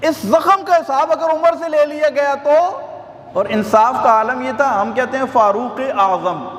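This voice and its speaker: A man's voice: very high-pitched, a bit bright. A man preaching a sermon in a mosque with a Pakistani Urdu accent, telling stories with impassioned, rising and falling delivery. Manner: impassioned, rising and falling delivery, quotes figures in his own voice. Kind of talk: emotional storytelling sermon. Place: large mosque hall. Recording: echoey mosque hall with faint ambience.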